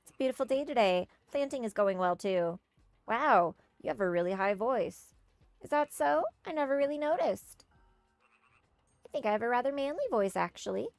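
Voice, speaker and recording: A woman streaming a game and reading its dialogue aloud, slipping playfully into goofy high voices for the characters. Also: animated, moderate pace, creaky, no room sound. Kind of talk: casual let's-play with read-aloud character voices.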